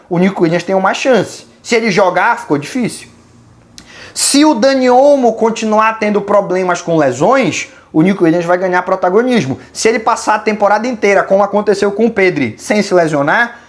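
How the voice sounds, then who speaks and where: A host from Belém do Pará, Brazil, with a Brazilian accent, answering viewer questions in casual, opinionated commentary and reasoning out loud. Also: mid-range voice. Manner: opinionated, colloquial, reasoning aloud. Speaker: channel host.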